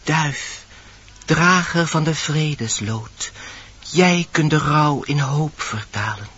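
An actor playing a solemn dwarf with a husky voice, summoning animals in declaimed radio-play verse. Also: male voice, fairly high pitch, expressive, takes it slowly, bright, forceful tone, heavily acted. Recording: dull old radio recording.

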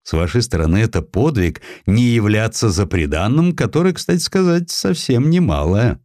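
A dignified older gentleman, formal and courtly, put on by a male narrator for an audiobook. He speaks deliberately, with the pitch rising and falling widely. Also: big pitch swings, no room sound, clean studio sound. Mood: pleased, formal.

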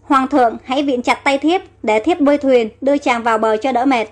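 A woman's voice: high voice, a little fast, lightly acted. A woman voicing a jealous, scheming court lady who is scornful and falsely sweet, in a storybook reading. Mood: feigned sweetness.

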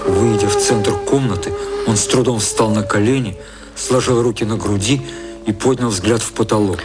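A man narrating a satirical literary radio play in a measured, composed way. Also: mid-range voice, big pitch swings, lightly acted. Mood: composed, ironic. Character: composed male storyteller of a satirical novel. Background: loud music.

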